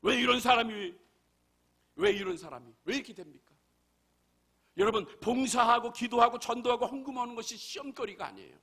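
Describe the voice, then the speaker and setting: A man's voice: very high-pitched, brisk, pushed and bright. A male pastor preaching a sermon, emphatic and full of rhetorical questions to the congregation.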